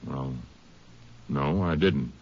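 An actor playing an evasive, gruff small-town county attorney in a 1950s radio drama on a noisy old recording. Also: male voice, very deep voice, drawn-out words, darkish tone, lo-fi sound, heavily acted. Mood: defensive, wary.

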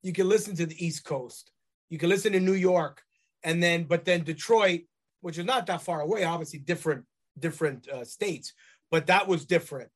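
High-pitched man in his forties, loose and meandering. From Canada. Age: 40s. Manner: rambling, halting, swears casually. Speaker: guest musician. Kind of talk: casual interview chat.

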